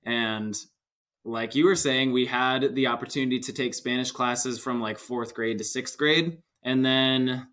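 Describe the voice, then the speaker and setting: A man's voice: medium pitch, steady tone, measured pace, fairly bright tone. Young american guy telling stories on a podcast, laughs at himself a lot, middle voice. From United States. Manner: laughs often, self-deprecating storytelling. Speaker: podcast guest. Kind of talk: casual chat.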